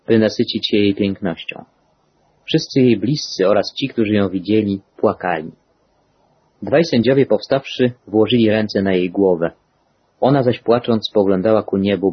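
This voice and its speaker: A man reading a scripture passage aloud in a solemn, measured way, voicing the quoted speech evenly. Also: on the low side, husky. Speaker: scripture reader. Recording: dull lo-fi recording.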